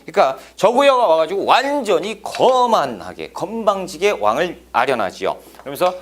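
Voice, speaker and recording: High-voiced, animated male history lecturer. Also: normal speed. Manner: playful, jokey storytelling with sound effects. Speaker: Korean history exam lecturer. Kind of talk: lively lecture with acted-out scenes.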